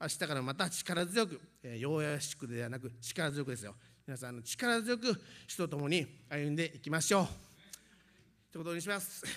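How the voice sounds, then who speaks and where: Speaking at a fairly quick pace with long, frequent pauses, a man uses lively intonation at a fairly high pitch. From Okinawa, Japan. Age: 50s. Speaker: seminary student preacher. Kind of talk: sermon; testimony. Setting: church.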